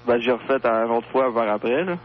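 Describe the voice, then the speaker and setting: A man's voice: medium pitch, a little fast. A man in his late twenties with a Quebec French accent, a radio show caller talking in crude, hesitant slang. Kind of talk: casual phone-in talk. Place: on a phone line to a radio show. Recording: dull lo-fi phone-in radio with hum.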